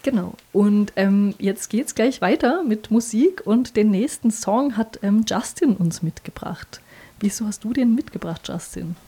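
A woman's voice: mid-range voice, animated, dark tone, slightly rough. Chatty woman hosting a radio show. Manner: chatty, many filler pauses. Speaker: radio host and coordinator. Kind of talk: casual live radio hosting. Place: radio studio.

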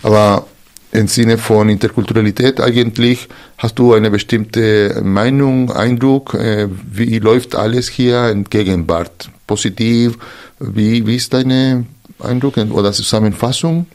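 Low voiced guy hosting an interview, lots of umms and restarts. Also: fairly even intonation, a little slow, a little mellow. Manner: hesitant, searching for words, many fillers and restarts. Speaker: interview host. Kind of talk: reflective interview talk.

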